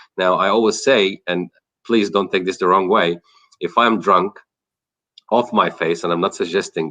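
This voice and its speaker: A man with a non-native accent speaks at a moderate pace and fairly low pitch, with ordinary pitch variation. The sound is dry and close, with no echo. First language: not English. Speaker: guest speaker, works with military. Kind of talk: casual chat.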